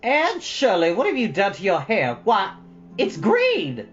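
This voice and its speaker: A woman performs a severe older guardian from a storybook. She scolds in sweeping, exasperated tones with blunt sarcasm. Music plays clearly behind her on a slightly dull recording. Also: mid-range voice, wildly swooping pitch, a little slow, voice pushed up. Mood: alarmed, demanding.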